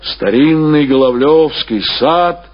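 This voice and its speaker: A man reading classic prose as a narrator, in an expressive, deliberate storytelling style with drawn-out phrases. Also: a little high, lo-fi sound. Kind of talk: scripted literary narration, audiobook or radio reading.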